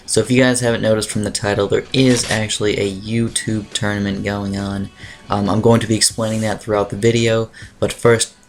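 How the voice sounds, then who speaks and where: A teenage man with a raspy, dry voice chatting casually over his gameplay as a gaming YouTuber, rambling with lots of fillers and clearing his throat. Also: fairly low pitch, level tone, brisk, background noise.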